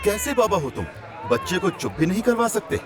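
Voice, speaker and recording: A teasing, friendly young man in a dubbed TV drama. His pitch swings widely as he talks, with music underneath. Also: big pitch swings, brisk, a crowd in the background. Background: background music.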